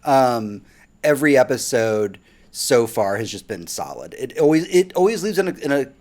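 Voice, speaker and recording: A man's voice: medium pitch, very animated, moderate pace, a little mellow. A man hosting a casual podcast on pop culture and gaming news, speaking informally and with emphasis. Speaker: podcast host.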